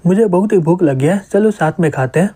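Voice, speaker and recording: A man's voice: sits high, expressive, fast talker, mellow, slightly rough. A man reading meddling, hot-tempered uncle.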